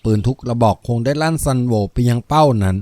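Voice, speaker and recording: Brief: male novel narrator, mid-pitched, measured and steady, dry close-miked read. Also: no echo. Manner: measured storytelling reading.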